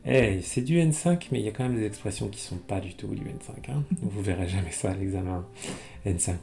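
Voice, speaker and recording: Calm low-voiced teacher. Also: male voice. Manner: reads Japanese slowly, then explains in French. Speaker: Japanese teacher. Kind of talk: language lesson reading a text aloud.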